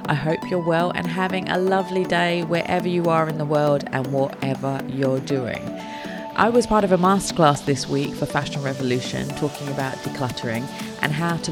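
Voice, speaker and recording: A woman hosting a podcast, giving casual, chatty and upbeat decluttering advice as a professional organiser. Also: low-pitched. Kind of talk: casual tidying advice monologue.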